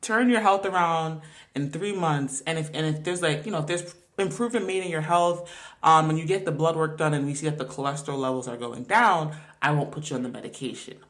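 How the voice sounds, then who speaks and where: A woman doing a matter-of-fact male doctor who calmly explains things away, in a fairly low voice. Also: fairly quick. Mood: explaining.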